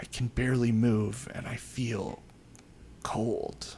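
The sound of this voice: Putting on a character voice, a soft-spoken man talks in a raspy, medium-pitched, flat monotone at a fairly slow pace over light background noise.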